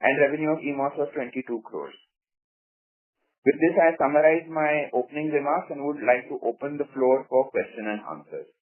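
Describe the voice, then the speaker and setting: A man with an Indian accent formally delivers prepared company earnings remarks in a measured way. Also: mid-range voice. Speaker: company executive. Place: telephone conference call. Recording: tinny narrowband phone line.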